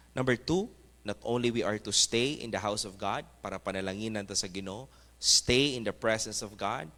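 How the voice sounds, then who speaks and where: A man's voice: on the low side, bright, forceful tone. A male pastor preaching a fervent sermon, mixing English exhortations into his talk. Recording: echoey church hall.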